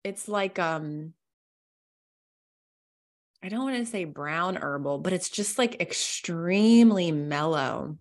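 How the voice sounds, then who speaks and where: A woman with a slightly low voice co-hosts a casual podcast. She talks in an animated, rambling way, laughing as she describes what she notices. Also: slow pace, pauses often. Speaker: podcast co-host. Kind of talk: casual chat.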